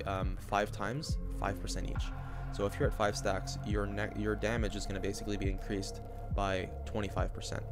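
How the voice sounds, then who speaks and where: A man with a cold, sounding a bit nasal, casually explaining a game tactic with lots of filler ums. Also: on the low side. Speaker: game guide streamer. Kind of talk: casual gameplay tutorial.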